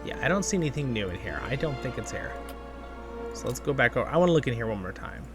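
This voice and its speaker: A man gives casual, enthusiastic commentary as he plays a game for his channel. He chats to viewers and thinks aloud, in a middle-pitched voice. Music plays clearly behind him throughout. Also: big pitch swings, quick pace. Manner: enthusiastic, chatty, thinking aloud while playing. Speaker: host of a gaming channel.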